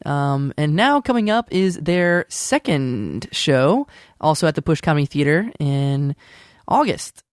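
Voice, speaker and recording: Woman podcast host, low voice, casual intro talk, dry close studio sound. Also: very animated, a little slow, dry recording. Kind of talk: casual scripted show introduction.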